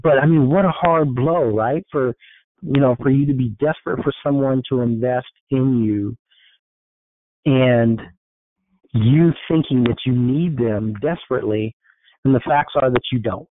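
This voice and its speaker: A man talks loosely and informally on a group call, circling back with frequent fillers and restarts as he motivates his listeners. His voice sits at an ordinary middle pitch. The audio is thin and phone-like, with a dry, close sound. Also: a little slow, no room sound. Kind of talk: casual motivational talk. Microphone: conference call line.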